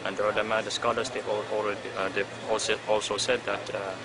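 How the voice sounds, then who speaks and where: A man's voice: fairly low pitch, little pitch movement, fast. A young man who grew up in Sweden, speaking as a university student in a hesitant testimonial full of "uh" fillers, recorded outdoors by a street. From Somalia, raised in Sweden. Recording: outdoor traffic noise.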